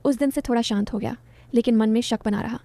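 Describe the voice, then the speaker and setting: A woman's voice: fairly high pitch, fast, dark tone, dry recording. A woman narrating a story in the first person, in a confiding, dramatic way.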